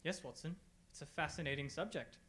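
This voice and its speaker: A woman playing a composed, learned male detective in a radio play, speaking in a measured, formal, lecturing way. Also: sits low, noisy background, close to an everyday voice. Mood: composed, musing. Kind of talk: radio theatre acting.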